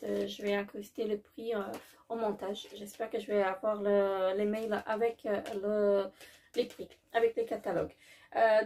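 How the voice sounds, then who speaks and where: A woman with a fairly high voice and a gravelly, fry-laced edge, talking casually through a beauty unboxing. She hesitates a lot, fills pauses and restarts sentences, and gushes about what she likes. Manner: warmly enthusiastic about products. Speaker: beauty vlogger. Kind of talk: casual product unboxing chat.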